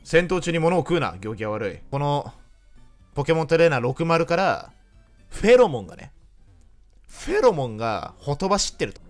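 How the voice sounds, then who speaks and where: A man's voice: on the high side, very animated, moderate pace, soft background music. A man giving casual, joking commentary while playing a video game, teasing and talking to himself and his viewers. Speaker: game streamer. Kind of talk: joking let's-play commentary.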